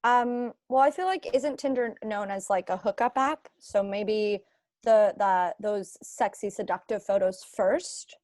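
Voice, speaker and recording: A woman comedian chatting as a guest, with dry, deadpan jokes. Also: medium pitch, measured pace, dry recording. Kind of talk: casual chat.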